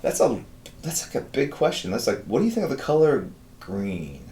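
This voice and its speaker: A man in his fifties rambles through viewer messages on his live drawing stream, chatting casually with lots of fillers. His medium-pitched, warm voice swoops wildly in pitch at a normal speed, and the sound is reverberant.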